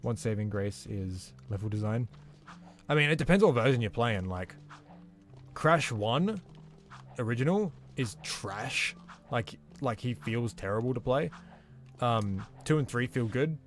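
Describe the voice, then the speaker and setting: A man's voice: medium pitch, lively intonation, unhurried, faint music behind. A man live-streaming a game, chatting casually and reading viewer comments aloud in a laid-back way. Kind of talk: casual live-stream chat while gaming.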